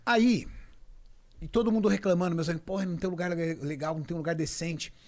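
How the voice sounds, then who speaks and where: A man's voice: a little high, steady tone, fast talker. A middle-aged man from Brazil, a bodybuilding champion telling stories in an interview, emphatic and acting out the dialogue he quotes. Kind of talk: podcast interview storytelling.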